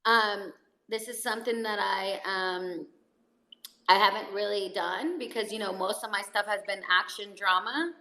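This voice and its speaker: A woman's voice: medium pitch, moderate pace, pushed and bright. A woman from El Salvador talks in a loose, casual chat and rambles along with plenty of fillers and restarts. Her voice carries a roomy echo from the space around her. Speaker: actress.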